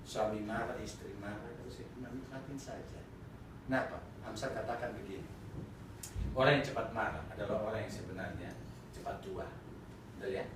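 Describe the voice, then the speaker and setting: A male pastor giving a sermon, animated and joking with the congregation, at times laughing loudly. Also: on the low side, brisk. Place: church chapel. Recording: echoey church hall, mic at a distance, noisy.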